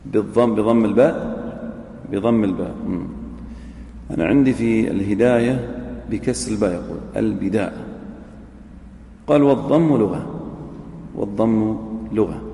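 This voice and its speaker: In an echoey hall with faint ambient sound and a little hiss or hum, a man teaches a jurisprudence class, reading a line from the text, repeating it, and then quizzing his students. His voice is fairly low and warm, at a moderate pace with frequent pauses.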